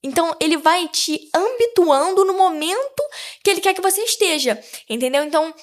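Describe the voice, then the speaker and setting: A teenage girl speaking as a podcast guest, telling a lively story about her faith with frequent restarts. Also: very high-pitched, fairly quick. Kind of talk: casual faith testimony.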